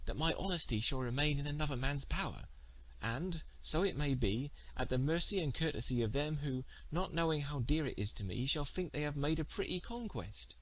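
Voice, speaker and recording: A man reading the part of a virtuous, guarded young maiden in a storybook, speaking formally and with measured courtesy. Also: on the high side, animated, a bit bright, pitched above the performer's own voice, rough recording. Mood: guarded, firm. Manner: formal, measured, principled speech. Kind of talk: storybook character dialogue.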